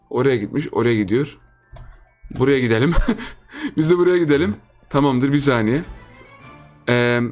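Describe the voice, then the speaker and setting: A young man riffs through a game, excitable and joking, laughing often. His voice sits a little high, with faint background music under the talk. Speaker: gaming YouTuber. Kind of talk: casual gameplay commentary.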